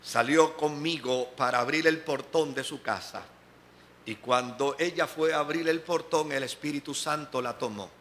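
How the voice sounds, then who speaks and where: A man's voice: fairly high pitch, moderate pace, a bit bright, slight background noise. A man with a Dominican Spanish accent, a pastor giving a sermon as a personal testimony, telling his story and acting out the voices of the people in it. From Dominican Republic. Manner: storytelling, acting out quoted dialogue. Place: church service.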